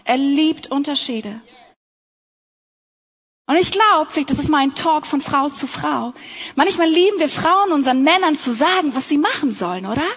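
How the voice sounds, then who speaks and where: A woman's voice: high voice, a bit bright. A young adult woman giving an earnest, personal sermon, talking directly to other women in her audience. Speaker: speaker at a Christian talk.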